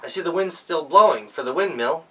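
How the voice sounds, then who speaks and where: A man's voice: fairly high pitch, lively intonation, a little fast, sharp tone, far from the mic, rough recording. A man voicing a brave young woman in a folktale, polite but determined and direct. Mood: polite pleading.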